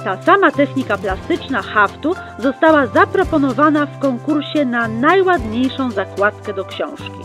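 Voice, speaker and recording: A woman reads the chronicle in the crisp, chirpy manner of an old 1960s newsreel announcer, her voice sitting high. Her delivery stays brisk and upbeat throughout. Plucked guitar music plays clearly behind her. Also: very animated. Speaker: chronicle narrator. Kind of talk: mock 1960s newsreel narration.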